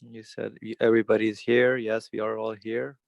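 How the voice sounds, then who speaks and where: A man in an online study group, speaking quickly and plainly over a bad call connection that muffles his voice. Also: fairly low pitch, flat delivery, vocal fry, dry recording. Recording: dull, lo-fi, dry call audio.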